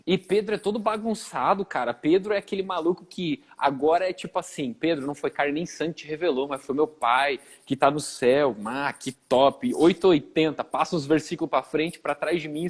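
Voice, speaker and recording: A man on a live Bible discussion, telling the stories in a lively, slangy way and acting out the quoted dialogue. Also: on the high side. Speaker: guest Bible teacher.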